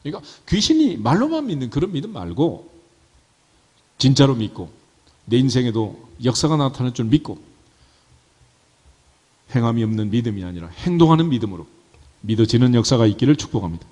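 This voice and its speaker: Lively-voiced pastor in a reverberant church. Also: male voice, mid-range voice, a little fast, long pauses, slightly rough. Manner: conversational, asks the congregation rhetorical questions. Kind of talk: sermon. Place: church sanctuary.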